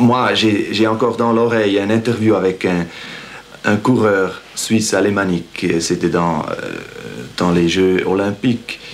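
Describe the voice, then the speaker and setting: A man talks with a Swiss German accent and ordinary pitch variation. Noticeable background noise is present. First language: Swiss German (speaking French). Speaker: writer. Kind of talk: interview. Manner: halting, many repetitions.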